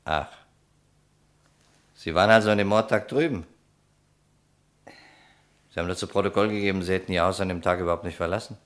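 A man's voice: low voice, a little fast, pauses often, lightly acted. An actor playing a persistent police detective in a German radio crime play, formal and methodical in his questioning. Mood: pressing.

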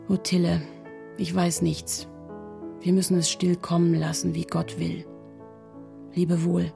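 A woman's voice: on the low side, vocal fry, warm tone, full character voice. A woman playing a melancholy nineteenth-century woman reading out her letter to a confidante in a dramatic reading.

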